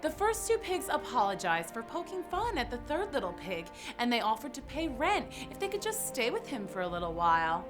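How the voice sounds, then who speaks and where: A woman's voice: a little high, very animated, brisk, few pauses. A woman hosting children's story time, telling tales in a theatrical, exclamatory, playful way. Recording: music bed behind the voice.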